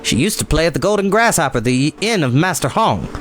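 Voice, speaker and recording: A man's voice: on the high side, sing-song, brisk, soft background music. A man voicing a knowing, singsong street hawker of birds in a storybook tale. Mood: amused, helpful. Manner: crying wares, then chatty and teasing. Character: loud street bird seller, singsong, knowing local.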